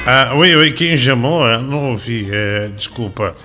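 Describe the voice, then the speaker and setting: A man's voice: medium pitch, lively intonation, unhurried, loud music behind the voice. A man hosting a call-in comedy show, teasing and laughing as he cuts callers off. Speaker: radio comedy host.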